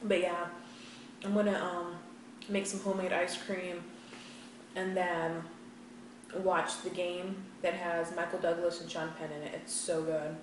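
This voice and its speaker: A woman's voice: lowish voice, flat delivery, unhurried. An American woman chatting casually to viewers while chewing, in a rambling, hesitant way. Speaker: vlogger hosting an eat-with-me video. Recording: very echoey room, distant mic, faint noise.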